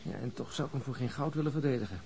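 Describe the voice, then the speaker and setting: An actor playing a world-weary deputy chief inspector in a radio drama, with a blunt, wry way of talking. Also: male voice, mid-range voice, rapid-fire, vocal fry, a little mellow, lightly acted. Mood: musing. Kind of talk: naturalistic radio drama acting.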